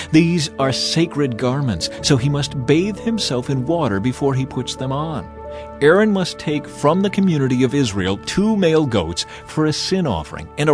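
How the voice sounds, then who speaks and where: Man narrating scripture with lively pitch over music. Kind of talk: dramatized audio Bible narration, scripted.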